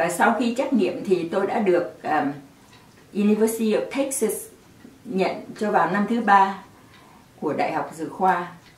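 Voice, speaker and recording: Lively intonation at a moderate pace, with long, frequent pauses and audible room echo. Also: woman. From northern Vietnam, raised in Saigon. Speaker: pharmacist and marathon runner; interviewee. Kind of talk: personal testimony. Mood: calm, reflective. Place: home room.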